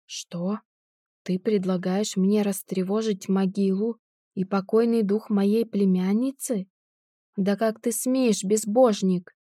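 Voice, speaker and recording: A woman voicing an elderly gentleman who is quick to anger and indignant, often crying out in an audiobook. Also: medium pitch, steady tone, no room sound, clean studio sound. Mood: outraged. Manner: shouting, indignant.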